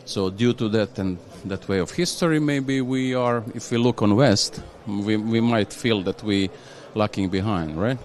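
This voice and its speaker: A man speaking as an executive guest, his voice sitting very low. He talks haltingly, restarting phrases and checking in with "yeah?". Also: a little mellow. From Croatia. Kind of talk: conversational interview.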